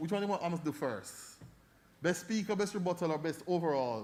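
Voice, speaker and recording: A man with a Jamaican accent, high pitch, animated tone, ordinary pitch variation and fairly quick pace. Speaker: debate judge. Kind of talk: results announcement; feedback talk to students.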